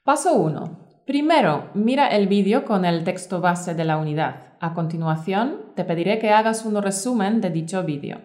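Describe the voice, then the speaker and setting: Measured female teacher. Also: medium pitch, animated, darkish tone. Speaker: Spanish teacher, podcast co-host. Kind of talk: scripted course presentation.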